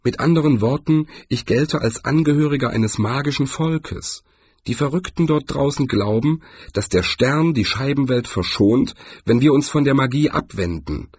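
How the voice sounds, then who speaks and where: A man's voice: medium pitch, moderate pace, darkish tone, slightly rough, no echo, pitched above the performer's own voice, close to an everyday voice. A man voicing a grumbling, unimpressed dwarf jeweller in a storybook, talking in a dry, matter-of-fact way. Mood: dry, resigned.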